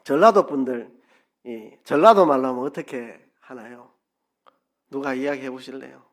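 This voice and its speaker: A middle-aged man, a pastor giving an expressive sermon with dialect asides in a church sanctuary. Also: mid-range voice, normal speed.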